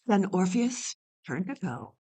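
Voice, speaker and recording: A female narrator reads a mythic play as dramatic storytelling. Her delivery is slow, with very animated pitch in a middle register. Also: slightly rough. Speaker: narrator and playwright.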